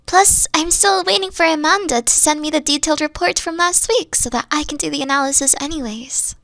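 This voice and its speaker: A young woman voicing a weary, gentle fox-spirit girlfriend in an audio roleplay, soft-spoken and hesitant, often trailing off. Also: sits high, fairly quick, no room sound, studio quality. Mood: tired, reassuring.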